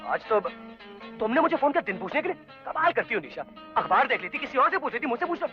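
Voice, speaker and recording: A man's voice: very high voice, very animated, fast talker. An actor playing a brash, teasing young man who runs a dance school, mixing English into his talk. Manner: breezy, teasing, mixes English into speech. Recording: dull old film soundtrack with music.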